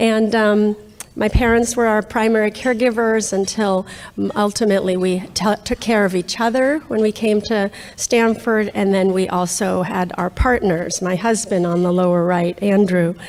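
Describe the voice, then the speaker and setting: Over noticeable background noise, a woman at medium pitch talks at a moderate pace with very even loudness and fairly even intonation. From US West, Los Angeles. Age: 40s. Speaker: social worker and patient speaker. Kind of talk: conference talk. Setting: conference stage with audience.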